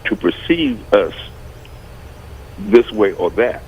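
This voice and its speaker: A man on a radio talk show panel, asking questions in measured, deliberate phrases. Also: lowish voice, a little mellow, muffled recording, a little hiss or hum.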